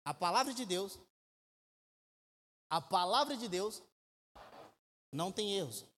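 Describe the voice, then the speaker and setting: A man, preaching a sermon as a pastor. He speaks with emphatic rhetorical questions and swings between loud and quiet. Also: sits high, animated, takes it slowly. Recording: echoey church hall with long reverb.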